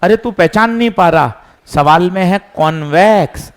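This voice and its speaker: A man teaching physics in class, calmly repeating each step and scolding students who chat. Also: sits high, a little slow. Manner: patient, repeats steps, scolds chatter. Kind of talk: classroom lesson.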